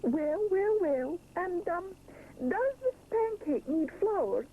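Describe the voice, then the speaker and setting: A woman's voice: very high voice, expressive, takes it slowly, phone-quality sound, a little hiss or hum, pitched above the performer's own voice, exaggerated voice. A woman voicing a cheery, formal male cake chef in a children's story. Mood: delighted. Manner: jolly, formal, delighted.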